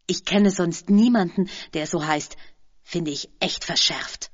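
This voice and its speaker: An eager, chatty young boy skateboarder from a storybook, his voice set a little low and husky, as a woman narrator puts him on. He talks quickly and keenly, full of slang. The recording sounds dull and lo-fi.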